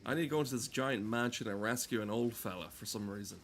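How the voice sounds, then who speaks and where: A man's voice: fairly low pitch, quick pace, a little hiss or hum. A man giving casual, rambling gameplay commentary in a sardonic, exasperated and sweary way. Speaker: game streamer.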